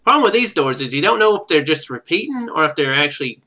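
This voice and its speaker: A man's voice: a little high, very animated, fast talker, bright, forceful tone. A man doing casual video game commentary, thinking aloud as he plays.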